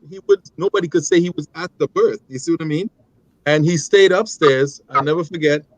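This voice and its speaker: A middle-aged man telling personal stories as a guest on a video call, animated and quick to laugh. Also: fairly high pitch, no room sound, low-quality recording. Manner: animated, laughing, many restarts. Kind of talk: storytelling in conversation.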